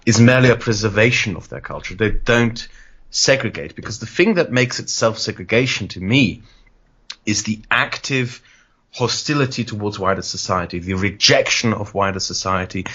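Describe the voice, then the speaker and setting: A man's voice: fairly low pitch, normal speed, a bit bright, breathy edge. Thoughtful man on a muffled line. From Wales. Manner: thoughtful, repeats and lists phrases. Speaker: guest. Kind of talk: casual discussion. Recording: muffled lo-fi audio.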